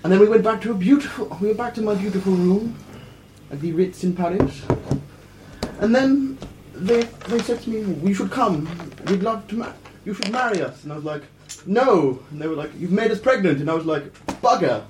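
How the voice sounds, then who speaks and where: A man improvising a boastful tall tale in character, rambling and halting as he goes. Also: high voice. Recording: echoey room with faint noise.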